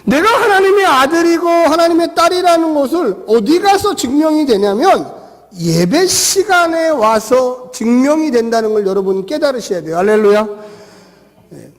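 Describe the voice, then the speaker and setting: Animated high-voiced pastor preaching in a hall. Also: male voice, normal speed. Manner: animated, calls out to the congregation. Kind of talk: sermon. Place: church sanctuary. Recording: long church hall reverb.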